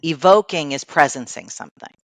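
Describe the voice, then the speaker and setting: A woman's voice: low-pitched, a little fast, no room sound. A woman life coach, a podcast guest, explaining ideas patiently with many everyday examples.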